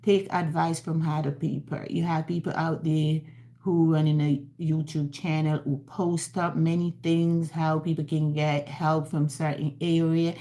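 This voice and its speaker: A woman in her sixties speaks slowly and earnestly in a low, mellow voice, circling back to repeat her points as she encourages her listeners. Her voice rings in a roomy, echoey space. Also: level tone. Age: 60s. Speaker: vlogger. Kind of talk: casual live-stream talk. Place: her home.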